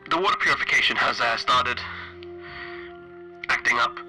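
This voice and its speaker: A man's voice: medium pitch, animated, pushed and bright, soft background music, poor audio. Man acting a tense, haunted spaceship engineer. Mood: uneasy, bitter. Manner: halting, stammering, breathy whispered trailing phrases. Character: anxious, isolated male spaceship engineer recording log entries. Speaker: player of a solo tabletop horror game. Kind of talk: in-character audio log, dramatic monologue.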